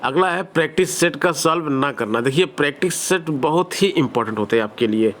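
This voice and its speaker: A man's voice: on the high side, lively intonation, a little fast, a bit bright, a little hiss or hum. Man teaching exam-prep tips with a Hindi accent. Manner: direct, conversational, uses everyday examples. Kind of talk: motivational exam advice to students.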